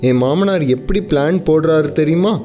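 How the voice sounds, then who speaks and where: A man's voice: a little high, fairly quick, mellow, faint music behind, close to an everyday voice. A young man playing a dismissive grown son. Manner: dismissive and defensive. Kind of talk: radio drama acting.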